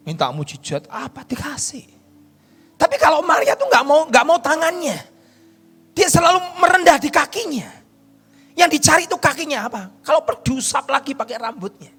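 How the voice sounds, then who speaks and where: Gravelly pastor swinging whisper to shout. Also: male voice, very high voice. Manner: acts out quoted voices in dialogue. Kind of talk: sermon. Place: church hall.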